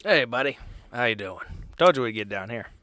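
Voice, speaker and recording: A man playing a gruff, blunt axe-carrying fighter with anger issues in a tabletop game, speaking casually and haltingly. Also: mid-range voice, animated, sharp tone. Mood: breezy, blunt.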